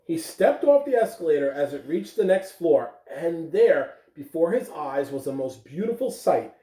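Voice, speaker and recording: A woman giving school morning announcements and reading a picture book aloud to young listeners, in a gentle storytelling way. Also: low voice, big pitch swings, normal speed, reverberant, far from the mic. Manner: gentle storytelling, coaxing a child to look.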